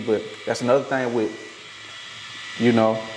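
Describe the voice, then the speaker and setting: Over noticeable background noise and audible room echo, a man talks at a very fast pace with a medium pitch. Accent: American. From US South, Georgia (Fort Valley). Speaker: tattoo artist. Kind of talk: casual chat. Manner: animated.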